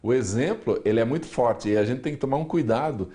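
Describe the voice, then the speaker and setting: A man explaining emotional control for children as a regular columnist on a TV news program, with a calm, explanatory manner and a Brazilian Portuguese accent. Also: medium pitch, fast talker. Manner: calm explanatory, acts out parents' lines. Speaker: weekly columnist on parenting.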